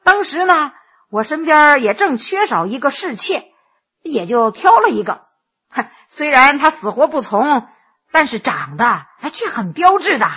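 A woman voicing an earnest, thoughtful young male scholar who speaks in a measured, gently wry way, on a dull lo-fi recording. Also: high-pitched, sing-song, exaggerated voice. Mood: reflective.

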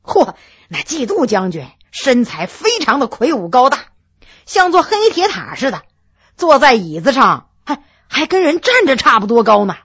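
A woman telling a historical tale aloud with an expressive, lively delivery. Her voice sits high and moves a lot, with a husky breath running through it. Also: moderate pace. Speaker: storyteller. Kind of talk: storybook narration.

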